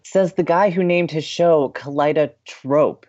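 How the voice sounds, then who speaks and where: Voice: medium pitch, measured pace, a little mellow, no echo, dull audio, close to an everyday voice. An actor playing a playful, sociable college radio co-host who banters earnestly and teasingly with theatrical emphasis. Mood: eager.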